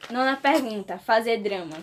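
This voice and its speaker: A woman's voice: fairly high pitch, normal speed, background noise. A woman acting as producer, reading out quiz questions in a brief, matter-of-fact way.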